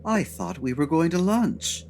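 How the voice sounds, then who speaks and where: An actor playing a fussy, long-suffering gay best friend in a comic detective radio drama, arch, wry and aggrieved. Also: male voice, on the high side, very animated, a little slow, a little mellow, a little hiss or hum. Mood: wry grumbling. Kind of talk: comedic 1940s radio detective acting.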